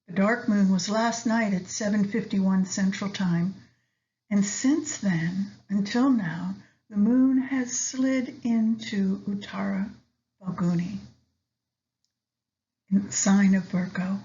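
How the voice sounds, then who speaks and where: A woman leading a guided meditation in a soft, soothing manner with long pauses between phrases. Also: medium pitch. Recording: slightly dull lo-fi recording.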